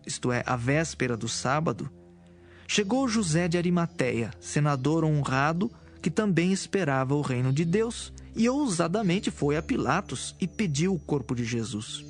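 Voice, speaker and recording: Higher-pitched man narrating scripture. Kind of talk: scripted audio Bible narration. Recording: music behind the voice.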